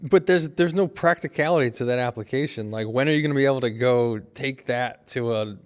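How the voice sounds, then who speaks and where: A man with an average-pitched voice talks in a casual, conversational way. He sounds like a panelist joining in on a loose group chat. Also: fairly quick. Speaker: show panelist.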